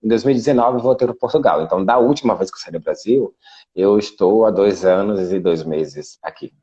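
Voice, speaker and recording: A man from Salvador with a low, mellow, slightly husky voice talks through a video call. He explains things at length, often tagging his sentences with little fillers. The sound is dull and lo-fi. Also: a little fast. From Brazil (Salvador, Bahia). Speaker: guest, international relations specialist. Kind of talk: casual video interview. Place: Portugal.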